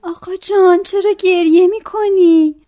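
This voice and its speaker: An actress playing a gentle, tearful young daughter in a radio play. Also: female voice, very high voice, steady tone. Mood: tearful, tender. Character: tender young daughter, bride-to-be.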